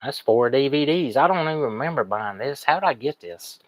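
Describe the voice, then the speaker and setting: A man's voice: medium pitch, expressive, normal speed, no room sound, rough recording. A man with a cold chats in a rambling, folksy way as he shows items to viewers in a casual livestream. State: sniffly, has a cold. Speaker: online reseller streaming.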